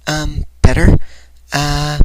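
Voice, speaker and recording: A woman speaks in a hesitant, self-doubting vlog style. Her voice is low for a woman, slightly breathy and nasal, with the resonance lightened in the throat. Loud noise and clicks run through the home recording. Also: monotone, slow. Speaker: voice trainee asking for feedback. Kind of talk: personal vlog, rambling confession.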